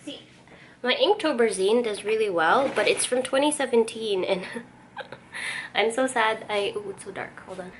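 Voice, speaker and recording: Sorting stock in her home art studio, a young Filipino-accented woman vlogs about her art in a casual, think-aloud way. Her voice is on the high side and her pace moderate, with noisy room sound around her.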